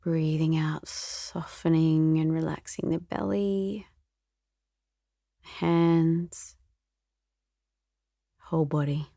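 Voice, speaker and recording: A woman leads a guided meditation in a low, mellow voice. She speaks very slowly and gently, with a soft, soothing delivery that sometimes turns breathy. The sound is close and dry. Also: little pitch movement, dry recording. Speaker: meditation teacher.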